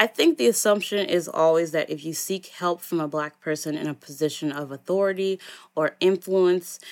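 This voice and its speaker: A woman with an American accent speaks in a plain, everyday voice at a medium pitch and moderate pace. The recording is very clean, with a silent background. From United States. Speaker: podcast host. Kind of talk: interview.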